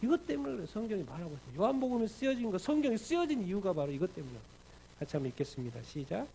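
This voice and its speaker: A man's voice: sits high, very animated, very fast, mellow, low-quality recording. A middle-aged man preaching a Korean-language sermon as pastor, firing rhetorical questions and acting out quoted lines with animation. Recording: faint background noise.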